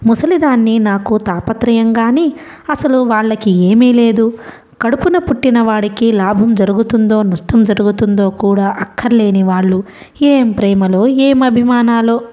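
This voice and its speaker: A woman's voice: on the high side, unhurried, mellow, lightly acted. A woman voicing a domineering, possessive old grandmother who scolds and mocks in a raised, sarcastic voice. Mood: grumbling. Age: older.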